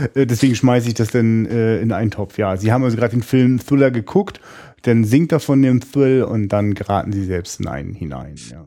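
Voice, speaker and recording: At a moderate pace, a man speaks in a dark, mellow tone at medium pitch, with ordinary pitch variation. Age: 20s. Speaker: film podcast co-host. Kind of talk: casual chat. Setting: video call.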